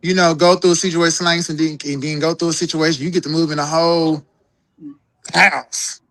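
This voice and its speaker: Her voice sits low, with fairly even intonation, a brisk pace and a fairly bright tone. A trans woman co-hosting a podcast, she argues heatedly in a casual group chat, cursing, repeating words and calling everyone "girl."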